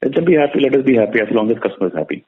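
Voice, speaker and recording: A man's voice: mid-range voice, sing-song, very fast. A man with an Indian accent answering analysts on an earnings call as a bank executive, talking conversationally and emphatically, often repeating his words. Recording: muffled narrow-band conference call audio.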